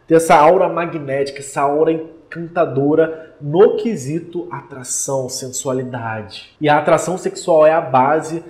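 Energetic Brazilian male coach, roomy echo. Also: fairly high pitch, moderate pace, few pauses. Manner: energetic, emphatic, addresses viewer directly. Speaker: relationship coach. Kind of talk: direct-to-camera coaching talk.

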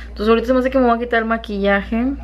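A fairly high, fairly evenly intoned female voice races along in a recording with the highs cut off. It's a young beauty vlogger at home, indoors and in the yard, sleepily rambling to a handheld camera in a casual chat.

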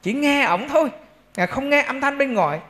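Central Vietnamese monk preaching in echoing hall. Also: male voice, very high voice, lively intonation, moderate pace, fairly bright tone. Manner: conversational, checks in with the audience and adds humorous asides. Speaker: Buddhist monk giving a dharma talk. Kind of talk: dharma talk sermon. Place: temple hall.

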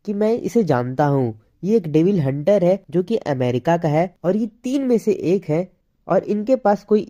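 A woman with a lowish voice recaps an anime, walking through the plot and voicing each character's lines in a plain, steady delivery.

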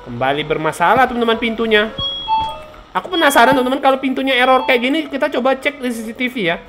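A young woman giving casual let's-play commentary, chatty, repeating words in quick bursts and often addressing her viewers. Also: fairly high pitch, animated, loud music behind the voice. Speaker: gaming channel host.

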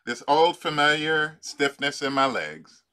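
An older man coaching someone through a tapping routine on a video call. His voice is bright and forward, and he jokes and laughs often, stopping to search for words with lots of fillers. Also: a little high, big pitch swings. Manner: playful, laughing, halting with many fillers. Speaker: life coach. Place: home room.

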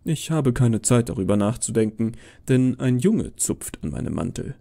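A man's voice: mid-range voice, lively intonation, moderate pace, creaky, warm tone. A man reading a first-person horror story as a dramatic, scripted narration.

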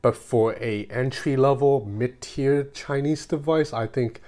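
A man's voice: medium pitch, unhurried, darkish tone. A man in his thirties giving a casual, conversational hands-on tech review in an informal way.

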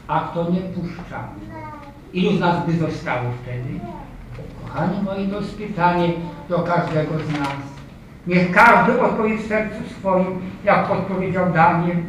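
A man's voice: sits high, slight background noise. An older man preaching a sermon, addressing listeners as "kochani moi", reading Bible verses aloud and asking the congregation rhetorical questions. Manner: asks the congregation rhetorical questions, frequent "prawda?" and "tak?". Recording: echoey hall, distant mic, faint ambience.

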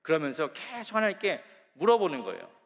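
A man preaching a sermon as pastor, reading scripture slowly and earnestly. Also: a little high, wildly swooping pitch. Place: large church sanctuary. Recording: long church reverb.

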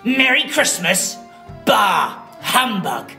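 Tight-fisted old man woman performing, curt, contemptuous, animated puppet-show delivery. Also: medium pitch, slow pace, echoey room, faint music behind, exaggerated voice. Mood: scornful. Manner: curt, scornful. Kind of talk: children's puppet-show storytelling.

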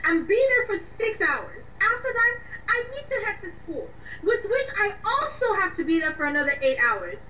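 Very high-pitched, exasperated young woman. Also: very animated, moderate pace, hardly any pauses. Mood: bitter, angry. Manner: emotional, reproachful. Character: exasperated, weary young woman fed up with her boyfriend. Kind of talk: radio drama acting. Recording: dull, noisy, echoey, distant mic.

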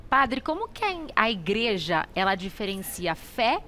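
A woman hosting a TV talk show, moderating the debate briskly. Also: medium pitch, very animated, sharp tone, a little hiss or hum. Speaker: TV show host.

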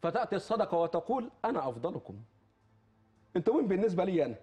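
A man's voice: high voice, rapid-fire, darkish tone. A man with an Egyptian Arabic accent, preaching with fervor as a charity guest on a TV talk show, quoting scripture and swearing oaths. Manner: impassioned, quotes scripture, repeats oaths.

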